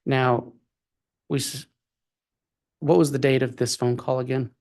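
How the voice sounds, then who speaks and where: A man with a creaky, mid-pitched voice speaks as a prosecutor in a courtroom. He puts questions formally and haltingly, with pauses between phrases. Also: level tone, darkish tone.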